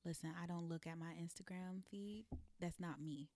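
Candid young woman with a gravelly low voice. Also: moderate pace. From American South. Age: 20s. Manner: relaxed, candid, lots of "like" fillers. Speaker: guest blogger and content creator. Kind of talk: casual chat.

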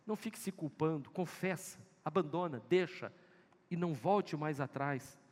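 Preaching in a church with a Northeastern Brazilian accent, this man delivers an emphatic, exhortation-heavy sermon in a voice on the high side, a little mellow, at normal speed. The hall is echoey.

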